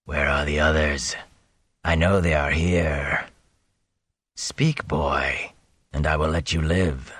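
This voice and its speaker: Monster: a man doing a cruel eyeless creature, hoarse grating whisper, very low and dry. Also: fairly even intonation, a bit bright, no room sound, heavily acted. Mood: menacing. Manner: menacing, slow. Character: eyeless monstrous male Fade, cruel and mocking.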